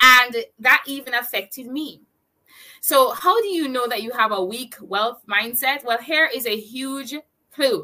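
A raised, projected voice comes through with a bright, sharp tone. It moves at a fairly slow pace with ordinary pitch variation. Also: woman, high pitch for a woman. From Jamaica. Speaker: podcast host and digital entrepreneur. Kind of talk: scripted opening monologue then interview.

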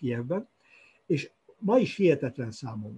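With a dark, mellow tone and a somewhat breathy quality, a man's voice swings very widely in pitch, recorded dry and close with no echo. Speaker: historian. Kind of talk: interview.

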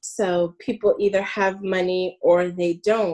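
A woman with a medium-pitched voice. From Brooklyn, New York. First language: French. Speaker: air force sergeant. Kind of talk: casual interview.

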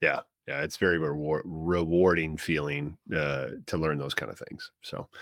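A man's very deep, low voice at a fairly slow pace, monotone and flat in intonation, with a dry, close sound and no echo. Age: 40s. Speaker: podcast co-host. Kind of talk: casual chat. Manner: laughs often.

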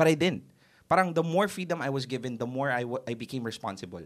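There is vocal fry in this man's voice. He talks at a very fast pace with very wide pitch swings. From Philippines, Mindanao (General Santos). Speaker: content creator. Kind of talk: casual chat.

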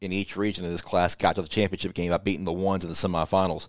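The recording is very clean with a silent background. A man speaks with a very deep, low pitch. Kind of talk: casual chat.

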